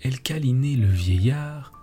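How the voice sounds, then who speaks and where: A man reading a literary story aloud as narrator, measured and solemn. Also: medium pitch, animated, mellow, soft background music.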